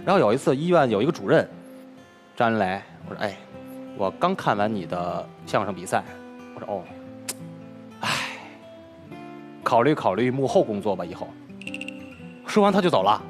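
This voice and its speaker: A man, a crosstalk performer telling a personal story as an interview guest, with an animated delivery that acts out the dialogue. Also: fairly low pitch, moderate pace, long pauses, soft background music. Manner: animated, retells dialogue with lively swings.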